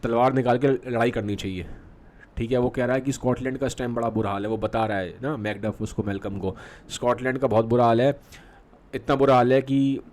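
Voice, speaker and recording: A man's voice: medium pitch, fairly even intonation, a little mellow. A male literature teacher explaining a play in a Hindi and English mix, checking in often with the class. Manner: reads quoted lines slowly with fillers, frequent "theek hai".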